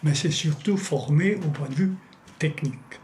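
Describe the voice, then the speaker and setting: This man has a fairly high pitch and ordinary pitch variation. Audible room echo is present. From eastern France, Franche-Comté (near Montbéliard). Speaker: concentration camp survivor. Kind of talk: interview testimony. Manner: halting, many hesitations.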